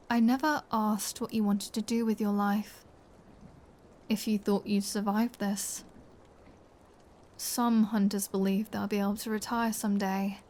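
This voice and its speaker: A woman plays a female vampire taunting her prey in an intimate ASMR audio drama. Her voice is mellow and mid-pitched, and she takes her time. She is teasing, sardonic and menacing, often sinking into a whisper. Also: close to an everyday voice.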